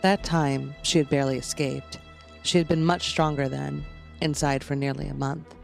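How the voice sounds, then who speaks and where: Male fiction narrator, slightly high pitch with noticeable fry, scripted horror prose, light music underneath. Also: flat delivery, normal speed.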